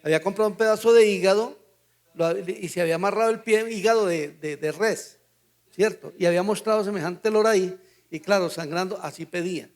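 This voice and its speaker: Older colombian pastor, fairly high voice, tells stories and acts out the dialogue. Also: male voice, fairly quick. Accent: Colombian Spanish. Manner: storytelling, acts out dialogue in quotes. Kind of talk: Bible study teaching with anecdotes.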